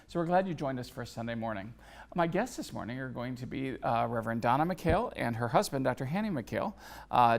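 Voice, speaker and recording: Gravelly, easygoing male talk show host. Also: medium pitch. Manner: easygoing, halting with fillers and restarts. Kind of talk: local TV faith talk show.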